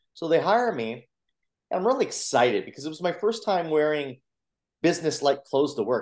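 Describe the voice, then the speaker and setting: A man at a fairly quick pace, lively intonation, and a quiet background. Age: 40s. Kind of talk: interview, personal life story. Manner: halting, many repetitions and fillers.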